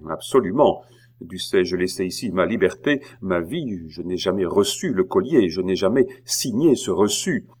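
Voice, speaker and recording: A frightened, flustered jeweler, as a male narrator puts him on stammers and pleads, his low voice shaking with fear. He talks slowly and hesitantly. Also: animated, darkish tone, husky. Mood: desperate.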